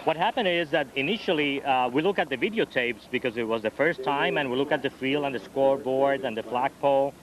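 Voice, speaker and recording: A man's voice: medium pitch, a little fast, hardly any pauses, a crowd in the background, low-quality recording. A man from Puerto Rico with a Spanish accent, answering politely as a competitor being interviewed outdoors. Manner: polite, deferential. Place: outdoors at a flying field. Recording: faint outdoor field noise.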